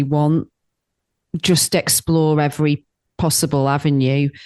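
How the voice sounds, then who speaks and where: With an English accent, the speaker keeps a moderate pace and fairly even intonation against a quiet background. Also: woman, dry, close sound with no echo. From England. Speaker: podcast host. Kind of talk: interview.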